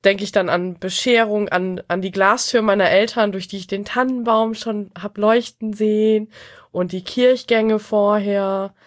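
A woman's voice: medium pitch, steady tone, unhurried, no room sound, clean studio sound. A woman with a cold, chatting casually on a podcast, rambling and laughing often. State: has a cold. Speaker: podcast guest. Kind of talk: casual chat.

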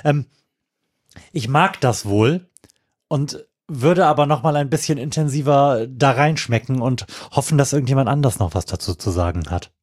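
A man's voice: medium pitch, expressive, moderate pace, darkish tone, dry recording. A man co-hosting a podcast, talking in long, orderly sentences with dry amusement. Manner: wordy, orderly, dryly amused. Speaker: podcast co-host. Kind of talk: casual podcast chat.

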